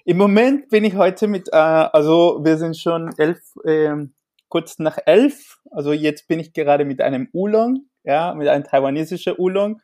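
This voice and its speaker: A man from Chile talks as a guest expert, his pitch a little raised. He hesitates often and restarts his sentences, yet keeps an enthusiastic tone. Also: moderate pace. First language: Spanish. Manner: hesitant, many fillers and restarts, warm and enthusiastic. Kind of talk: podcast interview.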